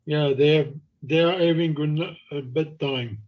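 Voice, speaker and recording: A man's voice: on the high side, measured pace, dull audio. A man answering and asking short, careful questions as a student in an English class.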